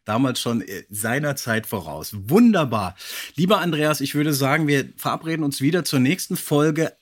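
A man's voice: medium pitch, lively intonation, moderate pace. A man hosting a podcast, chatting casually and enthusiastically as he reviews an audio drama. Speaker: podcast host.

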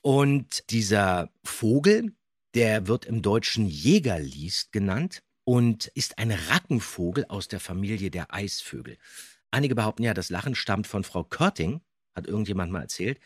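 A man speaks as an emphatic podcast co-host in casual chat. His voice is slightly low and husky, with very animated intonation. The recording is dry and close. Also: moderate pace, dry recording. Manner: emphatic, opinionated.

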